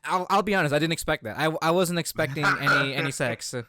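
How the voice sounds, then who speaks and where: A man's voice: a little high, fast talker, bright, forceful tone, no room sound, clean studio sound. A man in his twenties co-hosting a casual unscripted chat, rambling and often repeating his words. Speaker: podcast co-host.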